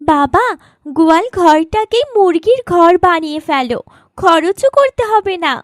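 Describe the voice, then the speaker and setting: A woman's voice: very high voice, lively intonation, a little slow, no echo, clean studio sound. A woman voicing a clever, caring young village daughter in a cartoon, eager and earnest. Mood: clever, helpful. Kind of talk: cartoon story dialogue.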